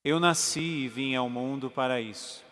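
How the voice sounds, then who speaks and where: A Brazilian man reading the words of Jesus in a calm, measured, solemn way during a liturgical Passion reading. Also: medium pitch, lightly acted. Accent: Brazilian Portuguese. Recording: long church reverb.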